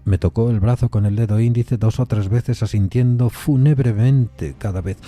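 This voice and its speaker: An actor playing a polite, rational but uneasy gentleman visitor, narrating an audio ghost story in a formal, measured way with a dark, husky voice. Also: mid-range voice, faint music behind, natural voice. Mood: somber, unsettled. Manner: formal, measured, hesitant when questioning. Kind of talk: dramatised first-person narration, audio fiction.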